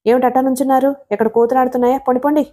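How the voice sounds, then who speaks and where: A woman's voice: a little high, steady tone, brisk, dark tone, natural voice. A woman voicing a bitter old village grandmother who scolds and snaps. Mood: scolding. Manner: scolding, snapping.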